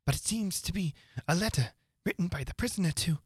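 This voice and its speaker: A performer voicing a nervous, deferential White Rabbit court official in a storybook reading, fussy and hurried in manner. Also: medium pitch, animated, husky, dry recording, clean studio sound, pitched above the performer's own voice. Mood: flustered, respectful.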